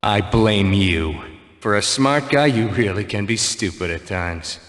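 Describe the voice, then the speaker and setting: A man's voice: on the low side, measured pace, in a large hall, noisy background, lightly acted. A man playing a sly, chiding gangster villain in a video game, taunting in a sing-song way.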